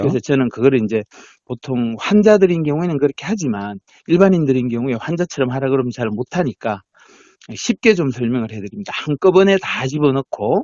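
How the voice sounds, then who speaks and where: This man talks at a fairly quick pace in a strong Gyeongsang accent. His medium pitch swings very widely. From Gyeongsang region, Korea. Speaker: health education lecturer. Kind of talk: interview answer.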